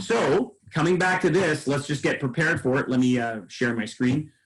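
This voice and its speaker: A man speaks at a moderate pace in an animated, somewhat breathy voice with lively intonation. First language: French. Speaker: sales trainer. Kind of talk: training workshop.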